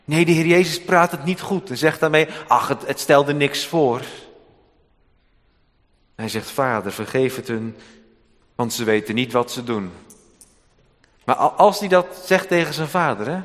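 Male preacher, church sermon, hushed then booming delivery, long hall reverb. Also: expressive, moderate pace. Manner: dramatic swings between hushed and loud emphatic delivery.

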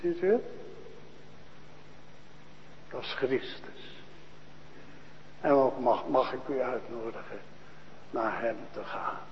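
A man preaching a sermon to a congregation, asking questions and answering them, dropping to a hush and then rising to loud proclaiming. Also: medium pitch, expressive, long reverb tail, muffled recording, slight background noise. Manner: slow, questioning, swings from hushed to loud proclaiming. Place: church.

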